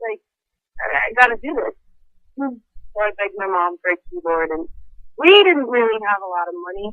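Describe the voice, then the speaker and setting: A woman with an American accent, fairly high in pitch, with very wide pitch swings, big swings in loudness, and long, frequent pauses. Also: moderate pace. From New York, Brooklyn. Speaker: singer-songwriter. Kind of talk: interview. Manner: animated.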